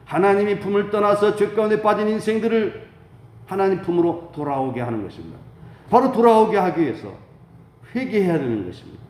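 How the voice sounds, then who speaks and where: A pastor with a high, darkish voice and lively intonation delivers a fervent dawn prayer sermon at a slightly fast pace. He exhorts his listeners, posing rhetorical questions and answering them himself, in an echoey room with faint background noise.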